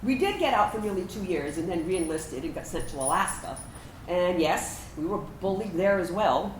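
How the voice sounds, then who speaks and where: A woman's voice: on the low side, animated, normal speed, lightly acted. A woman performing a staged monologue as a reflective trans veteran around fifty, recorded in a room. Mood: reflective, firm. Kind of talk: theatrical dramatic monologue reading. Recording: echoey, distant mic, hissy room noise.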